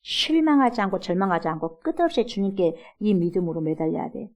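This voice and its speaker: A middle-aged woman pastor preaching a sermon in a church, acting out pleas and swinging between loud and hushed. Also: mid-range voice, sing-song, fairly quick. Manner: dramatic, acts out quoted pleas with big swings from loud to hushed. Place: church sanctuary.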